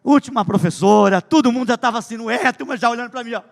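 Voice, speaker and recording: High-voiced pastor in a reverberant hall. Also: male voice, very fast, gravelly. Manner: animated, swings between loud and hushed. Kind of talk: humorous storytelling sermon.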